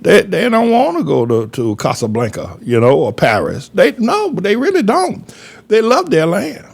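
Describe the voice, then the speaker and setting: An older man preaches in a fairly high voice that swings widely up and down. He hammers his points home by repeating them, in a folksy and emphatic style. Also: huge pitch swings, moderate pace, vocal fry. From North Carolina, USA. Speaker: pastor. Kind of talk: preaching commentary monologue.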